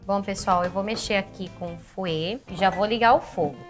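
A woman's voice: mid-range voice, normal speed, music in the background. A woman in her thirties from Brazil, hosting an upbeat recipe tutorial in a home kitchen, chatty and affectionate with her viewers. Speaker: cooking channel host.

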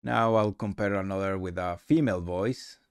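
A man narrating a casual software tutorial with halting, rambling phrasing. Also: deep voice, smooth, no echo, studio quality. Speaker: presenter of a software demo.

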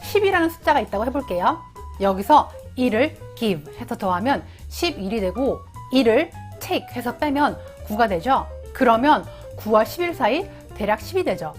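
Woman youtuber, kinda high voice, bouncy, explaining english words, soft music behind. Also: very animated, normal speed. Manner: friendly, explains English usage in Korean. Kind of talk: casual explanatory vlog.

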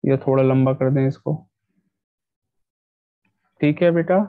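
A man's voice: medium pitch, steady tone, rapid-fire, clear, resonant tone. A man with a South Asian accent teaching maths in an online class, mixing Hindi and English and checking in with short questions. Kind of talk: online class lesson, addressing pupils. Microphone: video call. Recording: dull lo-fi online call audio.

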